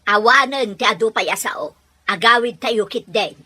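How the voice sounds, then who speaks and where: An actress playing a stern, resentful mother in a radio drama, nagging and exasperated, with a husky voice and Filipino Ilocano accent. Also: fairly high pitch, moderate pace, pushed and bright. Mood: urging.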